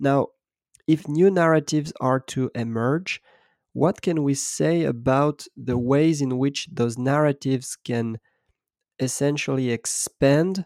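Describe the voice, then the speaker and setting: A man with a French accent speaks at a very slow pace with ordinary pitch variation, the sound dry and close with no echo. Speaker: podcast host and professor. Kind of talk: interview.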